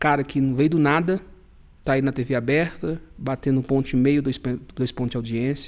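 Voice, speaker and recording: This man's voice sits fairly high in pitch, and he talks at a moderate pace. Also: very clean recording, silent background. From Brazil, interior of Ceará (Northeast). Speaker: podcaster and former pastor. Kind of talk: casual interview.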